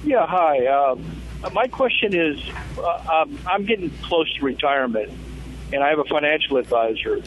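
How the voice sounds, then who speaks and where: A man's voice: fairly high pitch, animated, normal speed, a little hiss or hum. A man in his sixties calling in to a radio show over a phone line, asking his question hesitantly with many fillers and restarts. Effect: voice heard over a phone line into a radio show. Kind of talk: casual call-in question.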